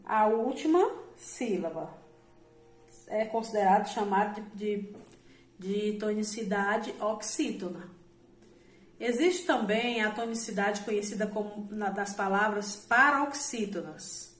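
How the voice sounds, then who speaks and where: A woman's voice: mid-range voice, measured pace, roomy sound. A woman teaching a recorded grammar lesson to adult learners, explaining patiently and often checking in with "né?". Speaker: Portuguese teacher.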